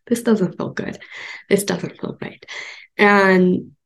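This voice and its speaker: A young adult woman with a congested voice, hosting a podcast in a casual, thoughtful talk with frequent pauses and ums. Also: mid-range voice, steady tone, gravelly. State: congested from a cold. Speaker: podcast host.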